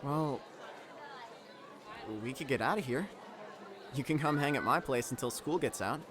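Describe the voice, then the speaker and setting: A man's voice: mid-range voice, measured pace, a crowd in the background, close to an everyday voice. An actor playing an easygoing, cheeky teenage boy in an audio drama, talking casually and breezily. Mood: concerned, casual.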